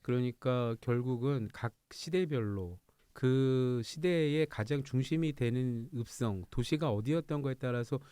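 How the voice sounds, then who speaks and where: A man's voice: mid-range voice, measured pace, mellow, clean tone, no echo. A man hosting a radio talk show, telling stories animatedly and laughing often in a studio. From Incheon, South Korea.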